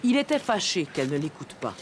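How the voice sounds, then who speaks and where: A woman narrating a children's story in a gentle, explanatory way. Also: deep voice, sing-song, brisk, background noise.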